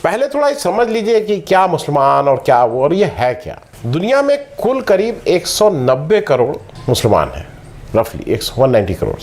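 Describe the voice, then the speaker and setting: A man's voice: on the high side, big pitch swings, normal speed, a little mellow. A middle-aged man giving a lecturing talk, reeling off statistics with fillers and restarts. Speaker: political commentator. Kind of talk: explanatory talk to camera.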